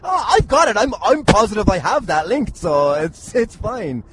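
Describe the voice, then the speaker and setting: A man's voice: high voice, very animated, normal speed. An Irish man hosting a podcast with casual, jokey, teasing chat and some swearing. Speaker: podcast host. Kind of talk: casual comic banter. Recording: very noisy, slightly distant at times.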